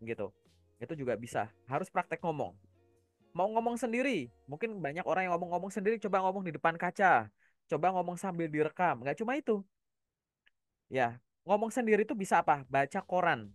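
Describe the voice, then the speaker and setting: Chatty higher-voiced male coach. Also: animated, fairly quick, no room sound, studio quality, soft background music. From Java, Indonesia. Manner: explanatory, asks listeners rhetorical check-in questions. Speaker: career coach. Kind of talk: casual coaching talk.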